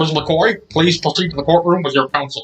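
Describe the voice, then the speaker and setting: Using a put-on character voice, a man talks at a fairly quick pace with a fairly high pitch. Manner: gruff.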